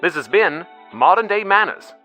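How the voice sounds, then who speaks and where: A man's voice: high-pitched, animated, moderate pace, sharp tone. A man reading scripted voice-over in a polished, articulate delivery. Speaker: voice-over artist. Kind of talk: scripted voice-over demo reads: commercial, explainer, narration. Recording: music bed behind the voice.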